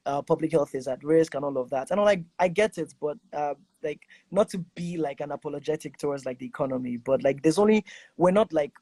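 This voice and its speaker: Young man from Nigeria, podcast host, higher-pitched voice, dry close sound, rambling filler-heavy chat. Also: fast, a little mellow, dry recording. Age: 20s. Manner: rambling, full of "like" and "you know". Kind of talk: casual conversation.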